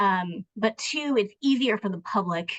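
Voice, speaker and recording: Here a woman speaks at a medium pitch. The sound is dry and close, with no echo. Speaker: state agency staff presenter. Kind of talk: presentation to advisory committee. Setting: virtual meeting. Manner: fast.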